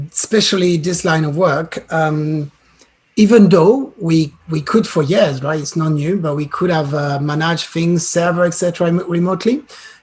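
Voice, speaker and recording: Speaking in a French accent, a man uses a high pitch, ordinary pitch variation and a moderate pace. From France. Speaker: IT consultant and trainer. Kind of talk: interview.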